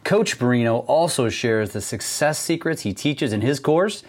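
A man hosting a podcast, introducing his guest in an energetic, hype style. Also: mid-range voice, moderate pace, no echo. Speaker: podcast host. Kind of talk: podcast interview.

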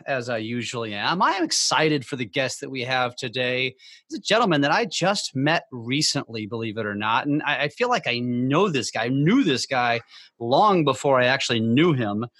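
A man hosting a podcast, introducing his guest in an energetic, hype style. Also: a little high, no room sound. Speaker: podcast host. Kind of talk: podcast interview.

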